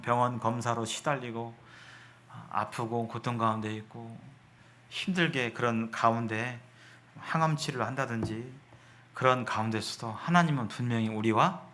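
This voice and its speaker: Guy preaching a sermon, bright sharp voice, asks stuff then answers it himself, restarts words a lot. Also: medium pitch. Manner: asks the congregation questions and answers them himself; reads scripture slowly.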